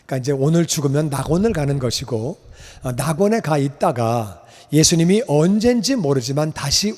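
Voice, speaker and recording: A male pastor preaching a sermon in a church, acting out the voices of the people in his story. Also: fairly high pitch. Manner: animated, acts out quoted voices. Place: church sanctuary. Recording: echoey church hall.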